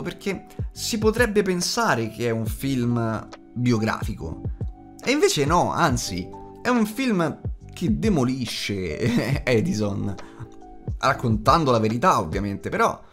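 A man, giving a casual, unscripted film review in a blunt, colloquial way. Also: medium pitch. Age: 20s. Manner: blunt, colloquial, freely swearing. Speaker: film reviewer, channel host. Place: small foam-treated home studio indoors. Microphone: large studio condenser microphone.

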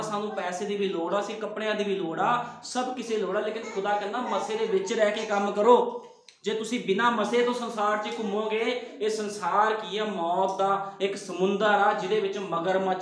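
A man's voice: high voice, steady tone, normal speed, fairly bright tone. A pastor, a man, preaching a sermon full of rhetorical questions. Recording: very echoey room.

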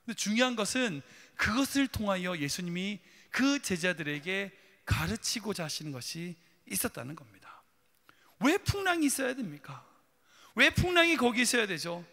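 A man's voice: high voice, very animated, normal speed, sharp tone, big-room sound. A man preaching a sermon dramatically, full of rhetorical questions. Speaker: pastor. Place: church sanctuary.

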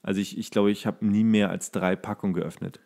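A man's voice: fairly low pitch, level tone, fairly quick, creaky, mellow. A man co-hosting a comedic podcast, talking in a casual, slangy and colloquial way. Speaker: podcast co-host.

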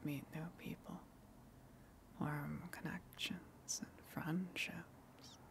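A woman playing a gentle eldritch tentacle monster in an ASMR roleplay, coaxing and soothing in a breathy whisper with long pauses. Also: low-pitched, fairly even intonation, exaggerated voice. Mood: soothing, knowing.

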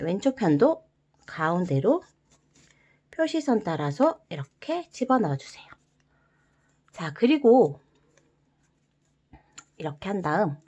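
A woman guiding viewers through a paper-folding craft step by step, gentle and encouraging, with playful sound words. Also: on the low side, dull audio. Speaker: origami instructor.

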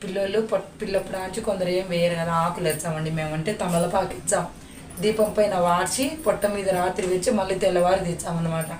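A woman's voice: fairly low pitch, steady tone, quick pace, a little mellow, distant mic. A woman from India chatting casually as a vlogger, explaining a home remedy step by step. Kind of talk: casual vlog narration. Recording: echoey room, off-mic, noisy.

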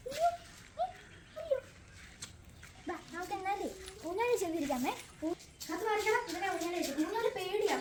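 High-pitched woman coaxing a pet bird. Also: a little mellow, slight background noise. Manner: coaxing baby talk to a pet bird, mixed with chatty explanation. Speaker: pet vlogger. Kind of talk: casual pet vlog talk.

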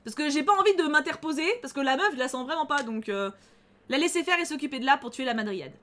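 A young woman hosting a game channel, chatting excitably through a let's play and reacting loudly and emotionally. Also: sits high, fast talker. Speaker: gaming channel host.

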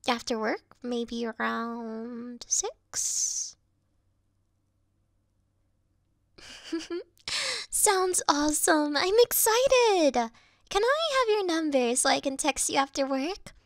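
A woman playing a sweet, clingy young yandere video game girl in a soft, coy, cutesy ASMR roleplay style. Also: high-pitched, dry recording, clean studio sound, exaggerated voice. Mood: shy, friendly.

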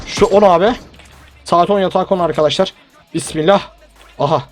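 A young man with a fairly high voice rattles off lively, joking commentary as he plays a mobile shooter, egging on teammates and talking to his viewers. Gunfire and faint music run behind him. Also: brisk. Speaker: gaming YouTuber. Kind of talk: live mobile game commentary. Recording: game sounds and music behind.

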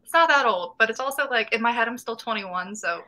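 Brief: woman, mid-twenties, livestream host, bright chatty voice, webcam sound from a small room. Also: a little high, expressive, brisk. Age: 20s. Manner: chatty, reads chat comments aloud, laughs often. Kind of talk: casual livestream chat. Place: small room at home, indoors. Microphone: webcam video call.

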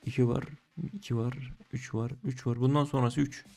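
Young male case-opening streamer, warm tone, slangy and excitable, soft music behind. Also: mid-range voice, normal speed, gravelly. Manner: slangy, excitable, pleading and groaning at results. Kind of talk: casual gaming commentary.

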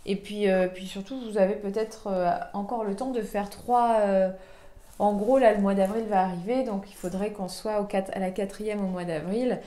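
A chatty woman with a mellow, warm voice hosts a knitting podcast. She talks casually in a show-and-tell way, full of fillers and restarts. The room around her is echoey. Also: medium pitch, fairly even intonation, normal speed. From France.

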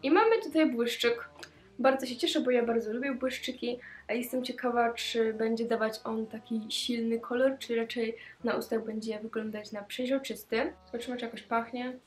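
Cheerful teenage girl vlogger, slightly high voice. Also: steady tone, normal speed. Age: teens. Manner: chatty and cheerful, with frequent "e" fillers. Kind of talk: casual unboxing vlog. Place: small bedroom indoors.

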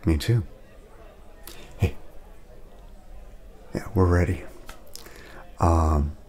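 A man speaking softly in a casual ASMR roleplay, laid-back and friendly, chatting as if to a friend. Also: low voice, fairly even intonation, extremely slow. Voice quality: soft, breathy at times, creaky.

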